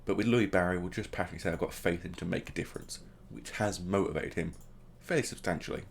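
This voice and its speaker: A man's voice: deep voice, fast talker, creaky, slight background noise. A man hosting a gaming video, casually commentating the play as it happens and adding joking asides. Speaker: gaming channel host.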